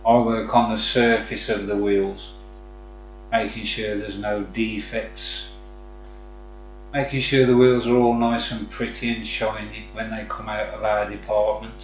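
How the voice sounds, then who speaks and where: Slow-talking man with a Black Country accent. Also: lowish voice, level tone. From West Midlands, England. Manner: friendly, matey address to viewers. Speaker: live streamer chatting with viewers. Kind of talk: casual chat. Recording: dull sound, echoey room, faint music.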